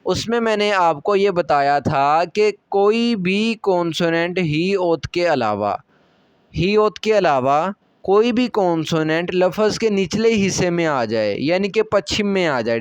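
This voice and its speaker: A man's voice: high voice, big pitch swings, a little slow, clear, resonant tone, no echo. A man with a Pakistani Urdu accent teaching a language lesson, patiently repeating each syllable and checking that listeners follow. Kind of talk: step-by-step classroom lecture.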